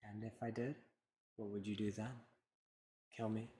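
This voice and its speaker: A man voicing a soft-spoken mocking tempter. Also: flat delivery, moderate pace, close to an everyday voice. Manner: quiet, low and taunting. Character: sly, mocking male tempter voice taunting a killer.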